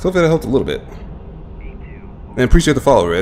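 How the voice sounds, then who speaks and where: The speech is mumbled and comes at a very fast pace. Noticeable background noise runs underneath. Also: man. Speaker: gaming streamer. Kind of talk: live gameplay commentary. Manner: mumbling.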